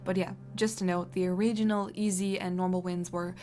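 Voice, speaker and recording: Deadpan woman narrating a video documentary. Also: on the low side, a little hiss or hum. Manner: dry, deadpan humor, slow and deliberate. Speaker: content creator narrating her own video.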